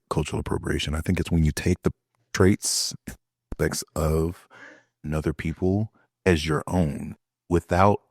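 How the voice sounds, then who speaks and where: A man on a casual podcast panel, measured as he feels out his wording. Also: a bass voice, darkish tone, no room sound, studio quality.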